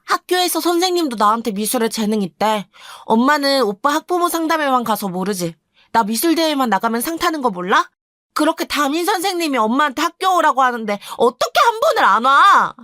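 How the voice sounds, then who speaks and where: Brief: aggrieved teen girl, high bright voice, dry close mic, played by a woman. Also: sing-song, brisk, dry recording, full character voice. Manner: pleading, aggrieved complaints. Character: resentful, clever teenage girl. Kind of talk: radio story drama.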